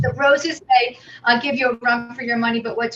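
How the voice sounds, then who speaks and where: Fairly quick speech from a woman with a fairly high voice, noticeable background noise behind her. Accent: American. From Philadelphia, US Northeast. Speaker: florist. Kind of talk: tutorial. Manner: casual, chatty.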